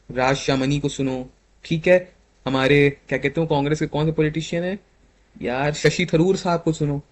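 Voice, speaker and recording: A young man with an Indian English accent teaching an exam-prep lesson in a casual mix of Hindi and English, reading slide lines slowly and then explaining them in a chatty way. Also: fairly high pitch. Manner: keeps checking in with "clear?" and "ठीक है". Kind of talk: casual Hinglish lecture.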